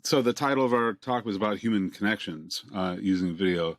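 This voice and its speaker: A man hosting an interview over a video call, relaxed and joking as he asks long questions. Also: fairly low pitch, fairly quick, no echo, clean studio sound. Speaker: interview host. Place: home office in Boston. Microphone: camera on a video call.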